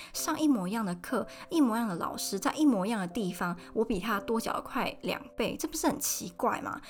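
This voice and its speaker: A young woman rattles through a personal story at a brisk clip. Her pitch sits in the middle, and she jumps higher whenever she acts out someone she is quoting. Soft music plays faintly underneath. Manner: animated, acts out quoted people with raised pitch. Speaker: podcast host. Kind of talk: casual storytelling monologue.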